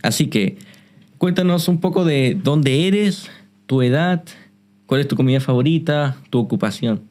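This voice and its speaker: Measured male Christian interviewer. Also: on the high side, animated, a little mellow. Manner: measured, echoes the guest's words. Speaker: host.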